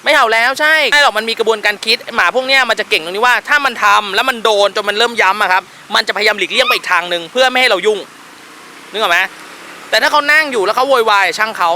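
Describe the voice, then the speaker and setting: A quick-talking man with a bright, sharp voice is coaching a dog owner outdoors. He gives firm, short commands and explains as he goes. Faint noise sits behind him. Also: high-pitched. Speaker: dog trainer. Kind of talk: on-location dog training instruction.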